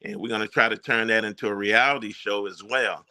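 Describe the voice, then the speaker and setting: A man's voice: lowish voice, steady tone, fairly quick, sharp tone, low-quality recording. A middle-aged or older man, a ring announcer, speaking as an interview guest and telling stories emphatically, with repeated phrases. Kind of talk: conversational storytelling in an interview.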